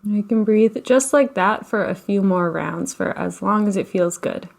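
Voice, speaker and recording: Woman doing a guided meditation, gentle and soothing, medium pitch, takes her time w long pauses. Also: creaky. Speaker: guided relaxation and meditation teacher. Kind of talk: guided meditation, slow instruction.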